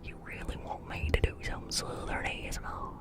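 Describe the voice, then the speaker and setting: A woman from the United States whispering ASMR close to the mic in a playful, teasing way. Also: fairly quick. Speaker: ASMR creator.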